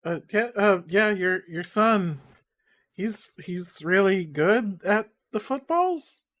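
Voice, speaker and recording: A man voicing his character in a tabletop game, stammering and unsure. He talks slowly with a lively, up-and-down pitch. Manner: hesitant, stammering. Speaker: player.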